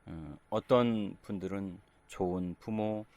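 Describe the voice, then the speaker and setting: A middle-aged male pastor giving a sermon, speaking gently and conversationally in short phrases. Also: low-pitched, a little slow.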